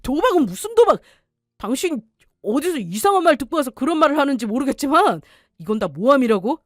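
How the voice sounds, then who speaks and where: A woman's voice: on the high side, animated, fairly quick, darkish tone, no echo, clean studio sound, voice pushed up, close to an everyday voice. A woman voicing a scheming, threatening middle-aged husband in an audio story. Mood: defensive. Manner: bullying, threatening, defensive.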